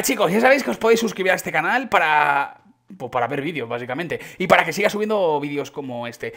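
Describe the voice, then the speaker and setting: A young man with a Spain Spanish accent giving casual, excitable commentary on his gameplay, chatting to his viewers and breaking into sudden shouts. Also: fairly high pitch, slightly rough. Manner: chatty, addresses viewers as chicos. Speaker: gaming YouTuber.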